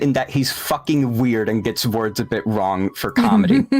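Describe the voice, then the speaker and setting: Noticeable background noise sits behind a man. His intonation is lively and his pace moderate. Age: 20s. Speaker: podcast guest, train enthusiast. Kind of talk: casual chat. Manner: animated.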